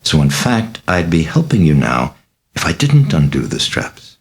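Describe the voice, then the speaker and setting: A calm, skeptical priest , read by a man, speaking in a very deep, gravelly voice. He questions patiently and reasons step by step, measured and steady. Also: full character voice. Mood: reasoning. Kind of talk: audiobook character voice.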